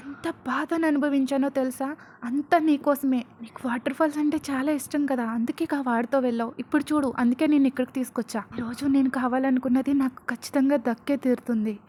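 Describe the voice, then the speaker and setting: A woman voicing an obsessive, unhinged young man who rants and shouts at his captive, in a narrated storybook. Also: sits high, breathy edge.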